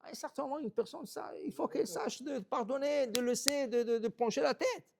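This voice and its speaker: A man, a rabbi, telling stories in a sermon, animated, repeating phrases and checking in with "ok?". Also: extremely high pitch, fairly quick, vocal fry, very noisy. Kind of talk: storytelling sermon.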